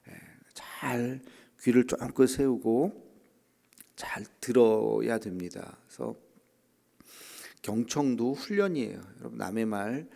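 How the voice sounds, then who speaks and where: A middle-aged man preaching a dawn prayer sermon as pastor, talking conversationally, filling pauses with short affirmations and acting out quoted voices. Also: mid-range voice, animated, vocal fry, mellow. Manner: conversational preaching with frequent "예" and "에" fillers; acts out quoted voices of children and church members. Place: church sanctuary. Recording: long hall reverb.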